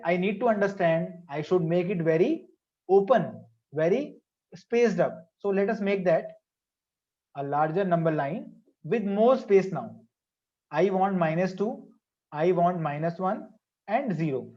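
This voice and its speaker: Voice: mid-range voice, a little mellow, highs cut off. A teacher with a South Asian accent leading an interactive online maths class, repeating phrases and questions to prompt pupils.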